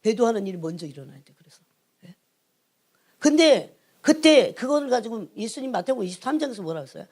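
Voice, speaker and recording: A middle-aged woman, an evangelist, preaching an emphatic sermon that keeps prodding her listeners and drops to hushed asides. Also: fairly high pitch, very animated, fast. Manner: emphatic, prods the congregation with repeated "예?"; swings between raised emphasis and hushed asides. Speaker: church evangelist, prayer team leader.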